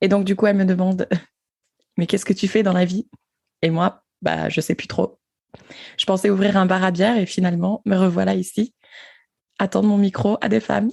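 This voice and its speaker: At a moderate pace, a woman speaks at medium pitch with fairly even intonation and long, frequent pauses. The sound is dry and close, with no echo. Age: 30s. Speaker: engineer and podcaster. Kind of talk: personal testimony. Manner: hesitant, many fillers.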